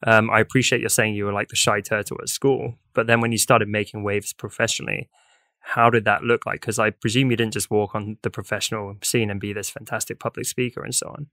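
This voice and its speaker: A man's voice: fairly low pitch, flat delivery, a little fast, a bit bright, no room sound. A young man hosting a podcast, asking informal, enthusiastic questions into a desk mic in an office room. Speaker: podcast host. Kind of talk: interviewing. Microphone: desk studio mic.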